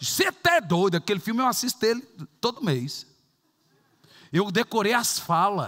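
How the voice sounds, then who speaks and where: A man with a high pitch talks at a moderate pace, his tone animated, bright and sharp, with very wide pitch swings. Long, frequent pauses break up his speech against a quiet background. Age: 40s. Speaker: pastor. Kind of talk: sermon. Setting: church. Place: church. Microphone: headset.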